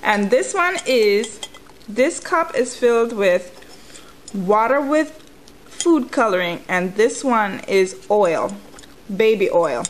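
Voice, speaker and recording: A woman's voice: mid-range voice, animated, slow, a little hiss or hum. Woman chewing gum through a casual tutorial. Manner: chewing gum while talking; informal, conversational, step-by-step instruction. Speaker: nail technician giving a tutorial. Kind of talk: casual hands-on tutorial talk.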